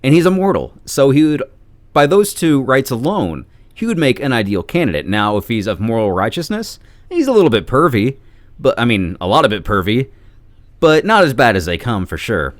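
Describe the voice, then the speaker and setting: A man's voice: medium pitch, big pitch swings, normal speed, no echo. A man speaking as a podcast guest in a casual fan discussion, reasoning through his points conversationally.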